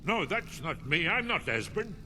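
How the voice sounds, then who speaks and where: An actor playing a paranoid, fatalistic old scholar in a video game, agitated and muttering in a theatrical way. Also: male voice, high-pitched, big pitch swings, moderate pace, sharp tone, slight background noise, full character voice. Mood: alarmed, evasive. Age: older. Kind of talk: video game character acting.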